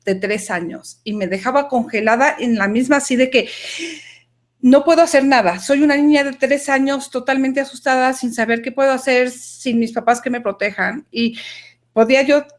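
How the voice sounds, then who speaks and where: A woman from Mexico and Denmark telling a personal story over a video call, animated and emphatic, often correcting herself mid-sentence. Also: sits high, moderate pace.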